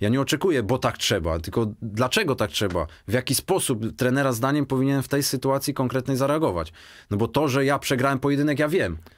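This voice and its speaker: A man's very fast speech with lively intonation, vocal fry and very even loudness over a quiet background. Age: 30s. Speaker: footballer; guest. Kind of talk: radio interview. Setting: radio studio. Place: studio. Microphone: studio mic.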